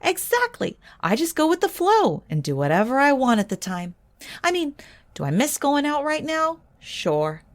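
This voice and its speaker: A woman's voice: sits high, wildly swooping pitch, normal speed. A woman playing a sassy wisecracking coed. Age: young adult.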